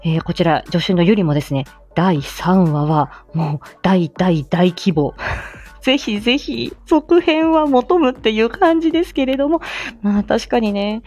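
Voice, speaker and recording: A woman's voice: fairly high pitch, moderate pace, mellow. A woman voice actress chatting casually about her drama, with lots of fillers and frequent laughs. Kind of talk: casual livestream chat. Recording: slightly dull audio with faint music.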